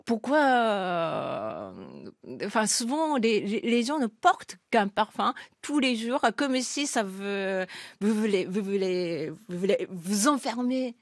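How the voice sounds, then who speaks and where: A Japanese woman in her fifties with a Japanese accent, speaking French as a second language in a radio interview, halting and full of fillers and restarts. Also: medium pitch, big pitch swings, dry recording, clean studio sound. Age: 50s. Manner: hesitant, many fillers and restarts, laughs often. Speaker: guest writer.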